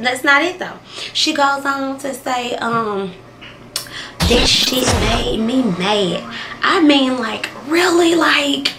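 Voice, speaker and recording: Animated woman teacher telling a story. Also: fairly high pitch. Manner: animated, emphatic storytelling with slang. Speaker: kindergarten teacher. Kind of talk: casual storytime vlog. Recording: echoey room with faint ambient noise.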